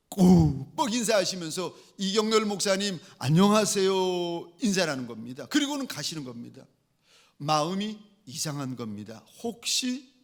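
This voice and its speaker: Man, pastor, high voice, sermon storytelling, animated delivery. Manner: animated, acts out quoted dialogue with swings in loudness.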